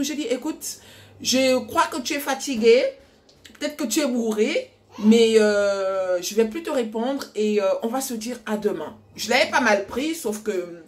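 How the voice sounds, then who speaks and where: A woman's voice: medium pitch, slight background noise. A young adult woman vlogging at home, casually retelling a story with lots of quoted dialogue. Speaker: cooking vlogger. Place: home kitchen.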